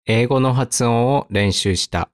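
A man teaching vocabulary, saying each word and example sentence twice, slowly and carefully, then giving its meaning. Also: mid-range voice, no room sound, studio quality. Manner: slow, careful enunciation with repetition. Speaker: Japanese teacher.

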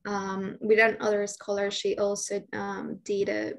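A young woman from Colombia commenting and asking a question in a webinar, halting as she searches for words. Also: medium pitch, monotone. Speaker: audience discussant. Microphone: laptop mic on video call.

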